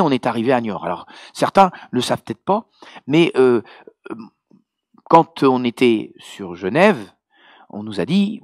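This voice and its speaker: A man preaching as pastor, telling a personal testimony in an animated, hesitant way full of fillers. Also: mid-range voice, no echo, clean studio sound. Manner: hesitant, many fillers and restarts, animated storytelling.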